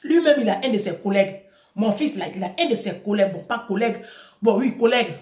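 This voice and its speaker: A woman's voice: medium pitch, expressive, fast talker, darkish tone, roomy sound. A middle-aged woman giving impassioned advice to her audience, emphatic and preachy, repeating phrases for force.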